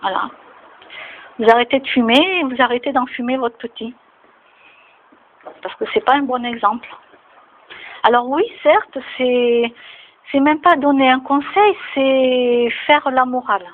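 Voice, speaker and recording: A woman's voice: sits high, unhurried, pauses often. A woman vlogging casually to camera, chatting and moralizing with many fillers, recorded outdoors near her home. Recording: tinny phone-like sound with faint noise.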